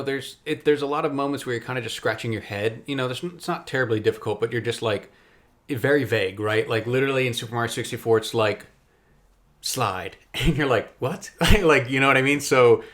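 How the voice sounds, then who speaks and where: A man's voice: mid-range voice, fairly bright tone. A man hosting a casual gaming podcast, talking in a rambling, storytelling way with trailing asides. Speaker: podcast host.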